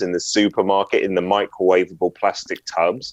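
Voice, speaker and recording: A man with a British accent at a moderate pace, in a dry, close sound with no echo. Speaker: broadcaster. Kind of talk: podcast interview answer.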